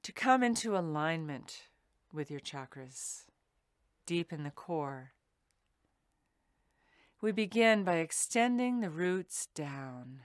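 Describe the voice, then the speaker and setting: A woman meditation teacher leading a guided meditation in a soothing, deliberate way with pauses between phrases. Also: low-pitched, expressive, no echo, studio quality.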